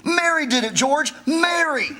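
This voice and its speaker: Uncle Billy, very high-pitched and exuberant. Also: male voice, measured pace. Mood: elated. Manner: exuberant, emphatic. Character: excitable, joyful older uncle. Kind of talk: staged 1940s radio drama. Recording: loud crowd on live stage.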